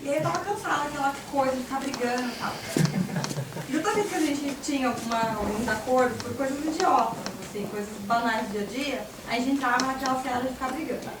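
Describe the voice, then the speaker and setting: A woman's voice: sits high, quick pace. A Brazilian woman telling a casual anecdote in a chatty way during a talk. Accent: Brazilian Portuguese. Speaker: audience member sharing an example. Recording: echoey room from far off, noisy.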